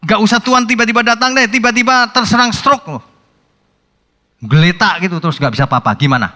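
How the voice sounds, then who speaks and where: A male pastor preaching a sermon in a conversational, colloquial way, breaking into sudden animated outbursts. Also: high-pitched, quick pace. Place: church hall. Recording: long hall reverb with faint music.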